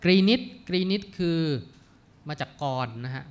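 A man's voice: a little high, lively intonation. Thai man reciting and explaining old verse. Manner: recites verse slowly, then explains words with polite particles. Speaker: academic panelist.

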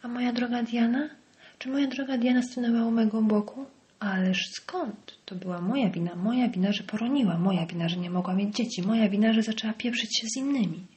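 A woman's voice: medium pitch, fast, hardly any pauses, a little mellow, close to an everyday voice. Lady putting on a bitter nasty doctor guy, sneery, whispery hisses, audiobook voice. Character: bitter, venomous middle-aged male village doctor. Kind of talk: audiobook character voice.

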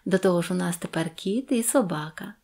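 A woman reading a calm, unruffled grandmother. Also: lowish voice, fairly quick. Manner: unruffled, matter-of-fact.

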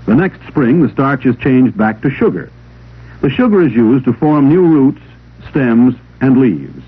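Male narrator for vintage classroom science film: medium pitch, expressive rise and fall, didactic read, thin phone-like 16mm sound. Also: unhurried, slightly rough. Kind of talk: scripted instructional narration, 1950s classroom film. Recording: old 16mm film soundtrack, narrow telephone-like band.

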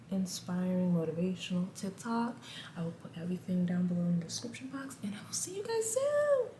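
A woman in her thirties with a deep contralto voice, talking candidly and animatedly to camera in a small room. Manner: candid, animated, says guys a lot. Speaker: vlogger. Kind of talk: casual motivational talk to camera. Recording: echoey room, faint ambient noise.

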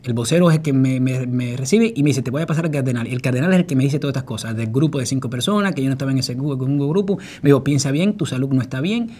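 A man's voice: mid-range voice, quick pace, hardly any pauses, warm tone, breathy edge. A middle-aged man with a Cuban Spanish accent, giving earnest personal testimony and acting out other people's words. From Cuba. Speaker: former political prisoner recounting his story.

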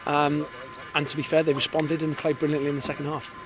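A man in his thirties, a football head coach, giving an earnest post-match interview outdoors on a floodlit pitch into a handheld mic, often repeating words as he starts a sentence. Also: flat delivery, fast talker, poor audio. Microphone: handheld reporter's mic held in front. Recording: outdoor stadium noise behind.

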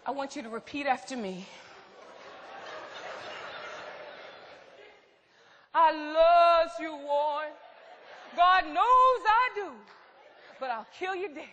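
Actress as a sassy, high-pitched, swooping best friend. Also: female voice, expressive, unhurried, a faint crowd, full character voice. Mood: bossy, playful. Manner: bossy, playful, sharp-tongued. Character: Jackie, sassy, bold, teasing best friend of a wife. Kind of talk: theatrical stage play acting. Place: stage in a theatre hall. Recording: echoey theatre hall, faint noise.

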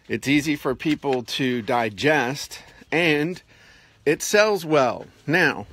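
A man's voice: on the high side, fairly bright tone. A man in his fifties giving blunt, plain-spoken advice in a casual vlog, recorded outdoors on a phone held at arm's length. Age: 50s. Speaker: vlog host, online marketing advisor. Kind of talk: casual talk to camera while doing chores. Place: outdoors in a rural backyard by sheds.

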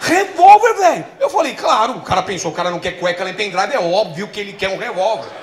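A man's voice: sits high, quick pace, background noise. A middle-aged man from Brazil doing a stand-up set, telling stories and acting out the voices. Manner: animated storytelling with acted-out voices. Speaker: stand-up comedian. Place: comedy festival stage. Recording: roomy live stage sound.

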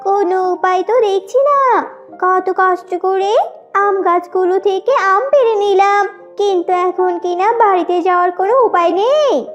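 A woman's voice: extremely high pitch, moderate pace, dull audio, faint music behind. A woman voicing small female animals in a children's cartoon, in an emphatic, childlike way. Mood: worried. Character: small female cartoon bird and vixen, naive or bossy.

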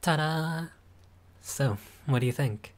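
A man's voice: a little high, slow pace. A man voicing a friendly, showy young male vampire who chats playfully with a guest in a scripted audio roleplay. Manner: warm, chatty, playful.

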